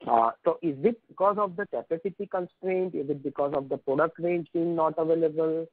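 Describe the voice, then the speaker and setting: On a phone conference for an earnings call, an Indian-accented male analyst questions management in a courteous, long-winded, uncertain way. He talks fairly quickly in a voice on the high side. There's no room sound, just a dry, thin, tinny line.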